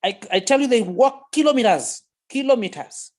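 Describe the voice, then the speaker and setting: A woman's voice: on the high side, expressive, normal speed, a little mellow. A woman with a Kenyan accent speaking in a casual group discussion, emphatic and often repeating words. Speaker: discussion participant.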